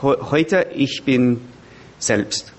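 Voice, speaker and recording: A man's voice: mid-range voice, very slow. A man with an English-speaking accent in German gives a personal testimony to a group, searching for words in simple learner's German. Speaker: speaker at a recovery meeting. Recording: background noise, room ambience.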